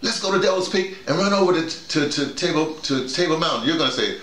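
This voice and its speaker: Middle-aged man, lively intonation, emphatic, informal discussion, repeats himself, acts out examples, roomy sound. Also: fairly high pitch, fast, slight background noise. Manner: emphatic, illustrating points with acted-out examples and repetition. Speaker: audio drama workshop leader. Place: small bedroom with bare walls. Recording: roomy, echoey indoor sound.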